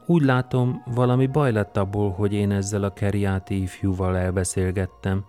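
A man reading an audiobook and voicing a gentle, earnest young prisoner who speaks calmly and sincerely. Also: lowish voice, faint music behind, close to an everyday voice. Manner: soft-spoken, calm and sincere.

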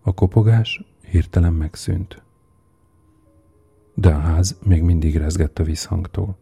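A man narrates an audiobook in a low, very dark voice with a husky edge. He reads slowly and keeps the suspense building. Faint music plays underneath. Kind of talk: audiobook reading.

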